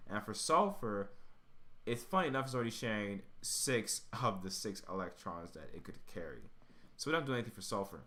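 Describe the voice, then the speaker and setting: A chemistry tutor, male, talks through a problem step by step in an informal way, thinking aloud as he works. His voice sits on the low side with big pitch swings, a fairly quick pace and a sharp tone.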